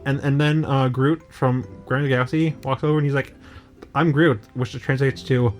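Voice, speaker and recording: A man's voice: medium pitch, fairly even intonation, fairly quick. A young man with a mid-range voice rambles through a goofy made-up story, stammering and doubling back on his words. The delivery is casual and unpolished, like a chat between friends, and faint music sits under the talk. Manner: stammering, repeats words, goofy nonsense humor. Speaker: co-host.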